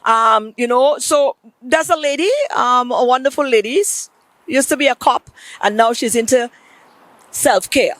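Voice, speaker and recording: A woman's voice: on the high side, unhurried. A woman from Saint Lucia hosting a morning show, chatty and prompting her guests along. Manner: chatty, encouraging, warmly prompting. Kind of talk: conversational TV interview.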